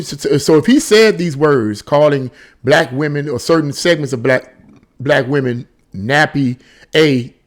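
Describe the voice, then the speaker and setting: A man with a fairly high voice commenting off the cuff on political news. He is opinionated and exasperated, stammers into restarts and hammers his points by repeating them. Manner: exasperated, opinionated, repeating words and phrases for emphasis. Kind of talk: unscripted commentary on a news article.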